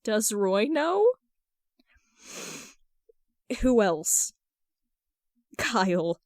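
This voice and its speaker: A woman voicing an embarrassed, peeved young man in an audio story, with a high-pitched, slightly cracking voice. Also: sing-song, extremely slow, a little mellow, dry recording, studio quality, full character voice. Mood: embarrassed disbelief.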